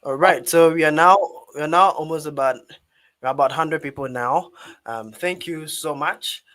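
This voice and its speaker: Ghanaian guy hosting a live online training, kinda high bright voice, keeps repeating questions to the audience. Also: normal speed. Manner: repetitive, rallying questions to the audience. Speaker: host and public speaking coach. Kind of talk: informal live webinar presenting.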